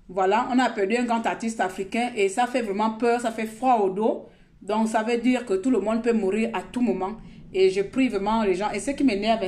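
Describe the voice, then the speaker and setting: A woman from Gabon, whose voice is on the high side and a little mellow, hosts a casual phone live stream. She goes on at length, scolding viewers over and over in a chatty manner that swings between sermon and small talk.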